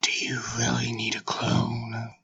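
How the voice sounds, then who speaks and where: A man's voice: medium pitch, completely flat delivery, slow, pushed and bright, breathy edge, dull audio, heavily acted. A man playing a nagging, doubting inner voice in an audio drama, whispered and distorted.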